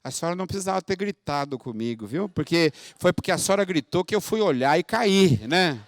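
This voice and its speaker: A man's voice: high voice, fairly quick, no echo, studio quality. A man quoting a frank little schoolgirl. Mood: candid. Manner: candid, calmly scolding.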